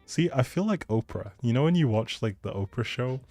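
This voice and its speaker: A man's voice: medium pitch, animated, a little fast, a little mellow, no room sound, faint music behind. A man hosting a livestream in a chatty, rambling, informal way, as if talking casually with viewers. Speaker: livestream host. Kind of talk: casual livestream chat, giveaway announcing.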